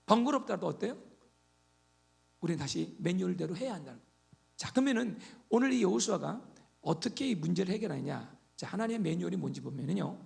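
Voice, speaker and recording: A man preaching a sermon as pastor, animated, swinging between loud exhortation and quiet asides. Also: sits high, gravelly.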